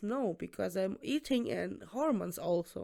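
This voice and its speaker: A woman with a strong Eastern European accent, very wide pitch swings and a moderate pace. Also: very clean recording, silent background. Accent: thick Eastern European. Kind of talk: podcast interview answer. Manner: casual, hesitant.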